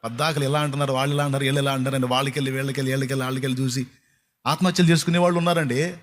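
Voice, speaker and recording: A man's voice: mid-range voice, fairly even intonation, racing. A man preaching a sermon, firing rhetorical questions at his listeners and mocking their complaints.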